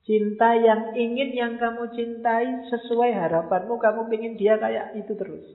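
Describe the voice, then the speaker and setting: A man's voice: very high voice, steady tone, normal speed. Joking man lecturing in a hall. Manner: humorous, mixes in quoted lines and local slang. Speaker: speaker giving a talk on love. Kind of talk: casual lecture to an audience. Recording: echoey hall, tinny phone-like sound.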